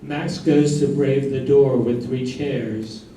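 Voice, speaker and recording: A man's voice: medium pitch, steady tone, slow pace, warm tone, natural voice. A man reading narration and supporting parts in a staged play. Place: live staged reading in echoey room. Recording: very echoey room, distant, faint noise.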